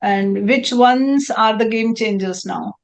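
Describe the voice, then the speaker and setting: A woman hosts an interview in a fairly high voice. She asks her questions plainly and keeps her guest going with brief, encouraging affirmations. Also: takes it slowly, gravelly.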